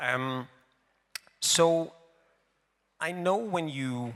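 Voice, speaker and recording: A man with a Danish accent, a bright, sharp tone, and ordinary pitch variation. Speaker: happiness researcher. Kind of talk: lecture. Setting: stage with audience. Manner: halting.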